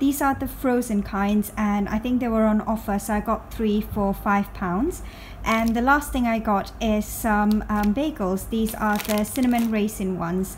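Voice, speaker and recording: A woman talks at a moderate pace with hardly any pauses, somewhat breathy and fairly high-pitched. Light background noise can be heard. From Malaysia. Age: 20s. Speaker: vlogger and junior doctor. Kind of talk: casual vlog. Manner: soft-spoken. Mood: cheerful and chatty. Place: home room. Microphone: phone near.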